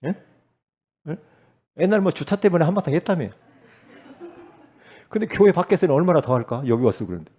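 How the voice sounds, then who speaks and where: Emphatic preacher with a lively, higher voice. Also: male voice, fairly quick, pauses often, breathy edge. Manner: emphatic, swings from loud exclamations to low asides, questions the congregation. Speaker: pastor. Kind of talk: sermon.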